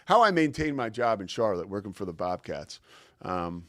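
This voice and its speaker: A man's voice: fairly low pitch, sing-song, moderate pace, a bit bright, dry recording, studio quality. A man in his forties hosting his own show, telling a long personal story in a casual, rambling way with lots of fillers and restarts. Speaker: show host.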